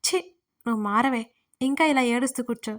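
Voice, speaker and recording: A woman's voice: fairly high pitch, fairly quick, close to an everyday voice. A woman voicing a bossy young woman in an audio story who scolds her friend in an exasperated way.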